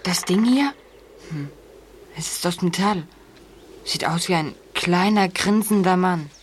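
A man's voice: high voice, a little slow, a little hiss or hum. A young man playing a curious, alert teenage boy detective in a children's audio drama. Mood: curious, puzzled.

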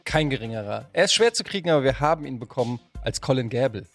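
A middle-aged man hosting a casual interview podcast, joking and phrasing things haltingly. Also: medium pitch, animated, soft background music. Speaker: podcast host. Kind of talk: casual chat, interviewing a guest.

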